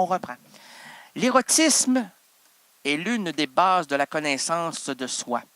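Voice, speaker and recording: A man's voice: high-pitched, pushed and bright, reverberant, long reverb tail. A man with a Québécois accent improvising a comic stage monologue, rambling, interrupting himself and teasing the audience. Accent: Québécois French. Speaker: improv performer and host.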